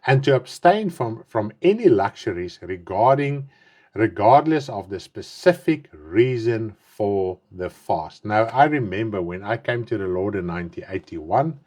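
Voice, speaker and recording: A middle-aged man with an Afrikaans accent delivers an earnest online sermon in English, his first language being Afrikaans. His pitch swings widely, climbing on emphatic words and sinking at the ends of phrases. His mouth is dry, and he rephrases and repeats as he goes. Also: sing-song, measured pace, a little mellow. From South Africa. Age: 50s. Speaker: pastor.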